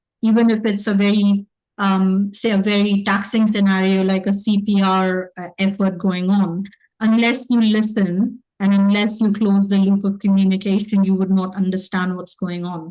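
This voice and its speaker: A soft-spoken woman's medium-pitched voice, dark and mellow in tone, flat and monotone at a moderate pace. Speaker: ICU consultant doctor. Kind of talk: casual chat. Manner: pauses for emphasis on key words.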